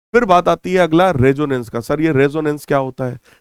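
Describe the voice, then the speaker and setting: A man speaks with a fairly high pitch. The recording is very clean, with a silent background and a dry, close sound with no echo. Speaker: physics teacher. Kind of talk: lecture.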